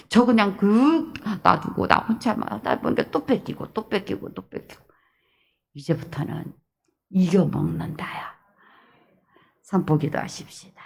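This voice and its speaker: Raspy-voiced woman pastor preaching emphatically. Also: medium pitch. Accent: Jeolla Korean. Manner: emphatic, repetitive exhortation with hushed asides. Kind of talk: early-morning sermon.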